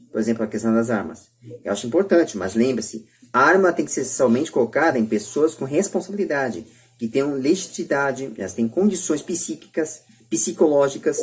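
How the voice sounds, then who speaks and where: A woman with a Brazilian accent and a low-pitched voice speaks in a podcast discussion. She argues her opinions emphatically, often restating a point to stress it. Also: dark tone.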